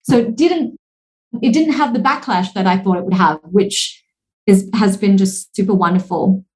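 A woman in her thirties, a podcast guest, talks easily and with energy at a middle pitch. Her speech runs on in long stretches, full of casual fillers. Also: moderate pace, low-quality recording. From Singapore. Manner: fluent, energetic, frequent "like" and "you know" fillers. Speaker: podcast guest, speaker and author. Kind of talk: casual interview conversation.

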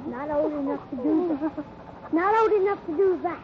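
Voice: sits high, moderate pace, close to an everyday voice. An actor voicing an eager, frustrated young ranch boy in an earnest, pleading way, in a 1950s radio western. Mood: sulky, wistful. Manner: earnest, pleading, folksy exclamations. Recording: noisy, muffled old radio recording.

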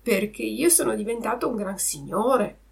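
A woman voicing a naive, excitable wooden puppet boy in a storybook reading. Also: a little high, normal speed, creaky, distant mic. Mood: eager.

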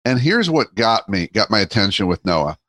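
A man's voice: fairly low pitch, very animated, moderate pace, pushed and bright, no room sound, clean studio sound. A man, hosting a podcast and introducing the show and its guest. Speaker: podcast host.

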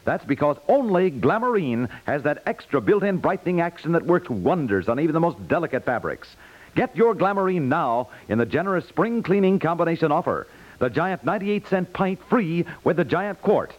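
Animated, high-pitched 1950s radio announcer man. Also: normal speed. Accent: American. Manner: polished, promotional. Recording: dull 1950s radio recording.

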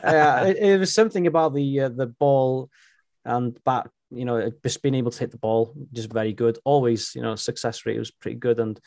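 A Welsh man in his late thirties, a native Welsh speaker chatting casually as a podcast guest, friendly and quick to laugh. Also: medium pitch, a little mellow, dry recording, clean studio sound. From Wales. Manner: friendly, laughs often, restarts words. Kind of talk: casual interview chat. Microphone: remote call.

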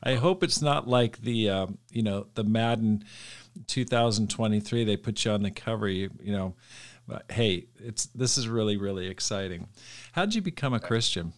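Low-voiced friendly podcast host. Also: male voice, moderate pace. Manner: friendly, easygoing interviewer. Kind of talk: casual interview.

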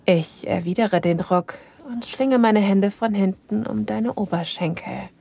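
An eager young lover in an audio drama, her narration husky and edged with gravel. She speaks slowly and softly, slipping into whispers. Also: mid-range voice. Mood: aroused. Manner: breathy, whispering, sighing narration. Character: young adult woman lover, eager and submissive. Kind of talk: first-person intimate audio drama narration.

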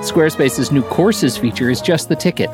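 A man's voice: fairly high pitch, normal speed, music in the background. A man co-hosting a film podcast, reading a scripted sponsor and merch spot in a chirpy, salesy way. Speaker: podcast host. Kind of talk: scripted ad read.

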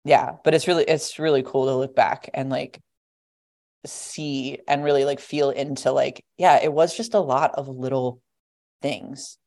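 Low-voiced guest, rambling with lots of "like". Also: female voice, fairly even intonation, measured pace, darkish tone. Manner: rambling, heavy use of "like" and "you know". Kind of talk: casual podcast conversation.

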